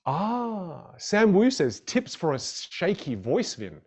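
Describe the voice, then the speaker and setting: A man's voice: high voice, huge pitch swings, slow pace, darkish tone. A man whose first language is a Chinese dialect teaches public speaking in a live online masterclass, upbeat and greeting viewers in the chat.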